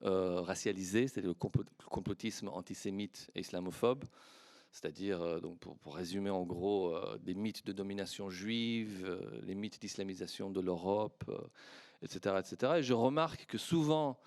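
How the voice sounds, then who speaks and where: Hesitant low-voiced man on an academic panel. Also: a little mellow, dry recording, studio quality. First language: Persian. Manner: measured, hesitant with many fillers and restarts. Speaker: panelist historian. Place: conference hall.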